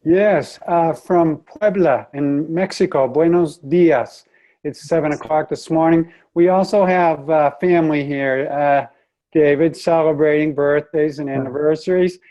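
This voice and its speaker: Brief: older man, mellow higher voice, friendly and chatty on a video call. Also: fairly even intonation, measured pace. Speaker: participant.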